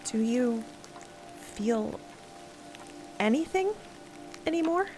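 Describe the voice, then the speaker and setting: An actress voicing an emotional, sarcastic woman space explorer in an audio drama, with halting delivery. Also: on the high side, expressive, darkish tone, faint music behind, rough recording. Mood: wary, hurt. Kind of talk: dramatic audio fiction acting.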